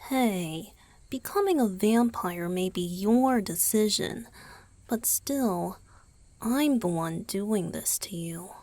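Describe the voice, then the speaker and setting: A woman playing a gentle, doting young male vampire boyfriend in a romantic ASMR roleplay, speaking softly and tenderly, mostly in a breathy whisper. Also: mid-range voice, animated, slow, no room sound. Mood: caring, attentive. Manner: tender, attentive, softly reassuring.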